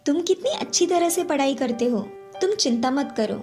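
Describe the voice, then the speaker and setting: A woman's voice: high voice, expressive, moderate pace, a little mellow, faint music behind. A woman voicing a kind, confident schoolgirl in a cartoon story, speaking encouragingly. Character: kind, confident girl who reassures her friend.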